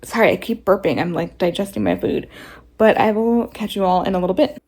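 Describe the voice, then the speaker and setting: A young adult woman chatting casually to camera in a vlog, rambling with lots of fillers, her voice rough and stuffy from a cold. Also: mid-range voice, animated, brisk. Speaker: vlogger.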